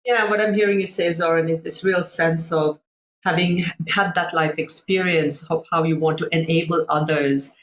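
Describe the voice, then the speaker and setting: A woman's voice: deep voice, fairly even intonation, moderate pace. A middle-aged woman from Sri Lanka, a coach talking thoughtfully about personal experience on a video call. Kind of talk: reflective conversation.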